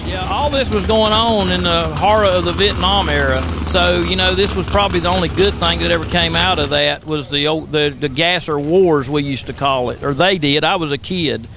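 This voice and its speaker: Gravelly older man reminiscing. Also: a little high, moderate pace, few pauses. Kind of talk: casual interview. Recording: outdoor track with engine noise.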